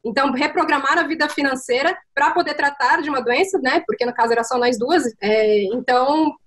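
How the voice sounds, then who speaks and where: A woman in her thirties from Brazil, a guest on a video call interview, telling her story slowly with pauses and fillers, heard through a laptop microphone in a small room at home. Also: sits high, fairly bright tone. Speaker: guest, former nurse. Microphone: laptop webcam on video call.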